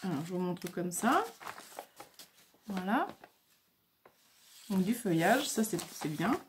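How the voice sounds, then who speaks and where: A woman's voice: lowish voice, animated, slow pace, a little hiss or hum. A woman vlogger casually showing crafts she received by mail, talking hesitantly with many fillers and stumbling over her words.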